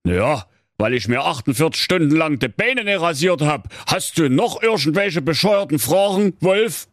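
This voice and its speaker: A gruff male spy disguised as Red Riding Hood in a comic radio fairy tale, brusque and rude. A man acts him out with a Saxon accent, raised above his own speaking voice, jumping about in pitch. The sound is close and dry. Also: animated, normal speed, fairly bright tone, dry recording. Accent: Saxon German.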